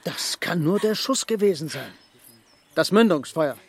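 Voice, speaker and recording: An actor playing a haughty, self-controlled hunter in an audio crime drama, formal and condescending. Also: male voice, on the high side, animated, measured pace, slightly rough, heavily acted. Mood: composed, haughty.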